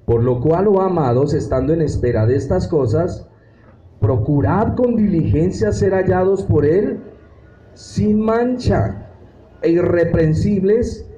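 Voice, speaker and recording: A man's voice: fairly high pitch, lively intonation, slow pace, warm tone, echoey room, a little hiss or hum, poor audio. A man teaching a Bible study like a sermon, acting out prayers and asking the congregation questions. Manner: preachy, acts out quoted prayers and asks the congregation questions.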